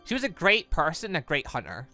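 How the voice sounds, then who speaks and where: A man's voice: fairly high pitch, wildly swooping pitch, brisk, bright, forceful tone, faint music behind, full character voice. A man voicing a grieving, stubborn young huntress in a visual novel, emotional and insistent.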